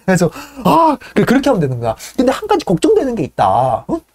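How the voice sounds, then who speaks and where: A woman's voice: mid-range voice, huge pitch swings, fast talker, a little mellow. A woman playing a brash, scheming Athenian man who hectors the birds and keeps prodding them for agreement.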